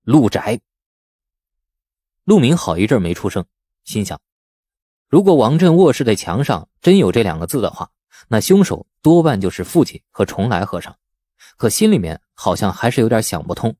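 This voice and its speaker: A man's voice: lowish voice, big pitch swings, brisk, dark tone, dry recording, clean studio sound. A man reading a novel aloud as an audiobook narrator, in a dramatic storytelling style.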